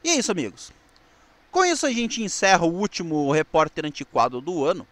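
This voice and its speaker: A Brazilian man presenting his video channel in an old newsreel announcer style, enunciating deliberately. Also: a little high, wildly swooping pitch, fairly bright tone, no echo. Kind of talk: nostalgic radio-newsreel style video narration with scripted sign-off.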